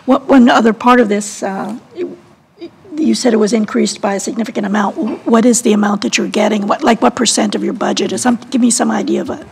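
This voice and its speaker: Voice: mid-range voice, steady tone, fairly quick, gravelly, slightly rough. A city councillor asking friendly, direct questions in a council chamber.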